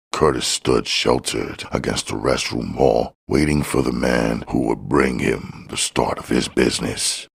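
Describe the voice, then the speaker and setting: A man's voice: extremely low pitch, creaky, slightly rough. A man reading crime fiction aloud as scripted audiobook narration.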